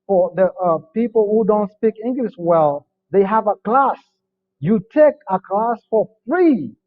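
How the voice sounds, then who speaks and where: Kenyan-born male veteran guest, high voice, tinny remote audio, plain and firm. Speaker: panel guest, army veteran. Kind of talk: panel discussion. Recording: tinny phone-like line.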